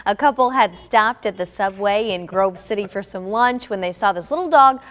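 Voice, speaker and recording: A woman's voice: medium pitch, moderate pace, fairly bright tone. A woman news anchor delivering local TV news in a studio while trying to hold back her giggles.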